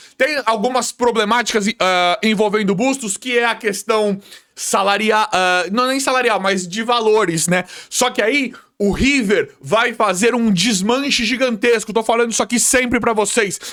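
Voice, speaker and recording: His tone animated, bright, and sharp, a man talks at a high pitch and very even loudness. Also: ordinary pitch variation, fairly slow pace. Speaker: football YouTuber commentator. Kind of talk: casual video commentary.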